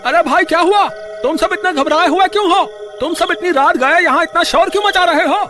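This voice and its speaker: A man's voice: very high voice, a little fast. A man voicing an anxious male villager in a cartoon story, speaking urgently. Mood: alarmed. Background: music.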